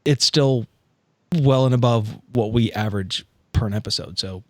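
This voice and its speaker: Regular guy on a podcast, dry sound, casual and kinda halting, repeats himself. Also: mid-range voice, dry recording. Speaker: podcast player and co-host. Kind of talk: casual chat.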